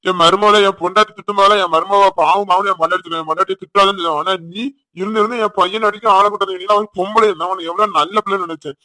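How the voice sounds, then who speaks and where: A man's voice: high voice, steady tone, rapid-fire, pushed and bright. A man voicing a hot-tempered older village father in a cartoon, angry and threatening in a Tirunelveli Tamil accent. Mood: furious.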